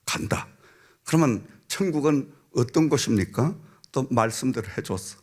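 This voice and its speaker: A man's voice: medium pitch, lively intonation, moderate pace, breathy edge. A man preaching a sermon as senior pastor, telling a story and acting out the voices of its people, often asking "eh?" of the congregation. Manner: storytelling preacher, acts out a child's and a minister's voices, frequent "응?" and "아멘". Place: church sanctuary.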